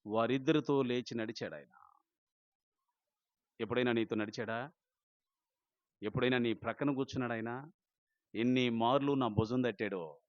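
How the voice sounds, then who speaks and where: A man preaching an Easter sermon with passion, swinging from loud cries down to low, quiet lines. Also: no echo, lo-fi sound. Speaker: pastor. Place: prayer house.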